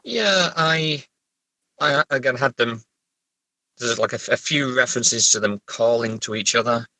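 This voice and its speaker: In this rough, echo-free recording, a middle-aged guest writer discusses his own story in a relaxed interview chat. He speaks unhurriedly in a pushed, bright mid-range voice, hesitating, putting himself down, and stammering often.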